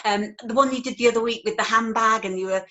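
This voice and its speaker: A woman's voice: a little high, fast talker, bright, forceful tone, highs cut off. A woman hosting a casual interview, enthusiastic and chatty, with plenty of fillers. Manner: enthusiastic, chatty, lots of fillers like 'like' and 'um'. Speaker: interviewer, host.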